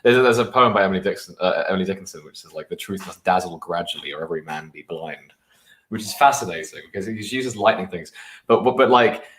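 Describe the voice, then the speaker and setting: Fast-talking low-voiced man, echoey room. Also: animated, fairly bright tone. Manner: quick, musing, many restarts and "you know". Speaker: podcast co-host. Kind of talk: casual chat.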